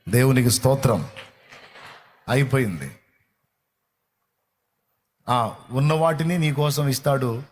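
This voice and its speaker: A man's voice: medium pitch, slow pace, pauses often, darkish tone, slight background noise. A middle-aged man preaching a sermon in a fervent, repetitive cadence. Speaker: pastor.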